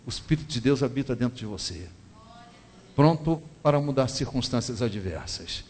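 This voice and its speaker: A man with a Brazilian accent, a bishop preaching a sermon, who swings from hushed, confiding tones to loud exhortation. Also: mid-range voice, animated, normal speed. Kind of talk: sermon with a personal story. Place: church.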